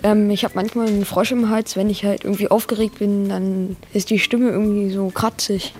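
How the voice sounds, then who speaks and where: A young woman answers in a casual, halting way, often searching for words. Her voice is flat and mid-pitched. Faint music plays behind. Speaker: interviewee.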